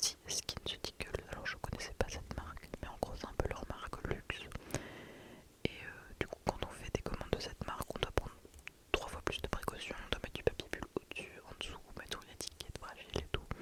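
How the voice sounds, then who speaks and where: A woman whispers at a fairly quick pace in a relaxed tone, with big swings in loudness. Noticeable background noise sits behind her. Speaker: ASMR creator. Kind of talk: casual talk to camera. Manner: soft-spoken, relaxed, chatty.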